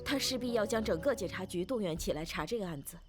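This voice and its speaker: A woman's voice: medium pitch, lively intonation, fast talker, music in the background, natural voice. Police secretary female actor: inquisitive, pressing, medium register, period TV drama with faint score. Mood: probing. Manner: questioning, pressing. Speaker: actress playing a confidential secretary. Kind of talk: Chinese period TV drama acting.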